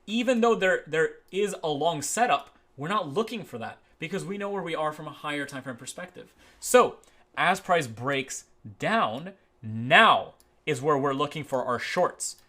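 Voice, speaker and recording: A man teaching trading as he walks through charts on his screen, tagging his points with "right?" and moving between quick and slow stretches. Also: a little high, lively intonation, sharp tone. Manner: repeats "right?" as a tag, talks through live charts; uneven pace, speeds up and slows down. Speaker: trading educator. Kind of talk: screen-share chart walkthrough.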